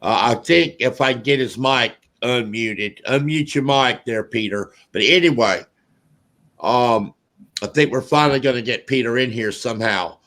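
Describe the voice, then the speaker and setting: A man's voice: mid-range voice, normal speed, fairly bright tone. A man with a Southern drawl from North Carolina, hosting a casual political talk radio show in a rambling, folksy way with many fillers.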